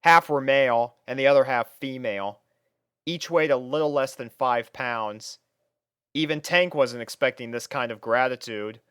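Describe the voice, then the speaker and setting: A man reads a fan story aloud in an even, unhurried storybook voice. His pitch sits in the middle range. The sound is close and dry, with no room around it. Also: clean tone, no echo. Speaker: fanfiction reader. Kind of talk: storybook narration.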